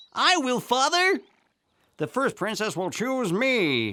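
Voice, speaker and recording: In a cartoonish character voice, a man speaks fairly slowly at an extremely high pitch with very wide pitch swings. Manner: smug, mocking.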